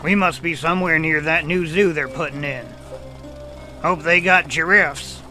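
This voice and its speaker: Guy acting as southern backwoods man hiding a werewolf side, super sharp bright voice, folksy, bit of music behind. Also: fairly high pitch, fairly even intonation, moderate pace. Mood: folksy, nostalgic. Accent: American South. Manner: folksy, drawling, muddles words. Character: folksy rural Louisiana man, secretly a man-eating werewolf. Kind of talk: audio drama acting.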